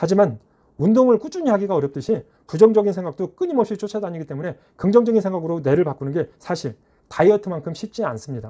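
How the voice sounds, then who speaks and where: Racing at a very fast pace, a man with a high pitch and a dark, mellow tone makes very wide pitch swings. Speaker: self-help YouTuber and motivational author. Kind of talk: scripted motivational talk. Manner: formal.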